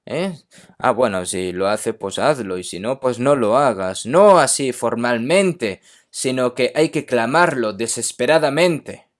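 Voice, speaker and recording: A man's voice: medium pitch, lively intonation, measured pace. A man from Korea preaching a sermon emphatically, often checking in with his listeners.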